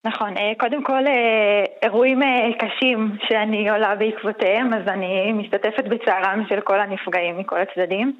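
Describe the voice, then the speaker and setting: A woman's voice: mid-range voice, steady tone, highs cut off. A woman guest on a radio program, the organizer of an aid page, speaking in a composed, articulate way. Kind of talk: radio interview.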